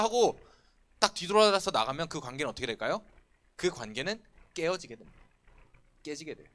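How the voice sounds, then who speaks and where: Youth pastor guy in his 30s preaching to teens, keeps asking questions, kinda high voice. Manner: lively, conversational, asks questions and answers them. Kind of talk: sermon to teens. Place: church sanctuary.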